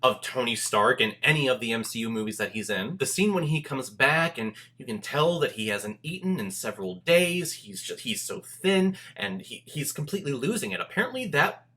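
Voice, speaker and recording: A man giving an enthusiastic movie review, gushing and emphatic, with dramatic pauses for effect. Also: medium pitch, very animated, sharp tone. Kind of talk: enthusiastic video review commentary to camera.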